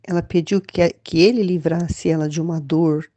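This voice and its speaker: A woman's voice: lowish voice, fairly even intonation, normal speed, mellow, dry recording. A woman with a Brazilian Portuguese accent leading a Catholic devotional reflection, speaking hesitantly with many restarts and fillers. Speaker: Catholic study leader.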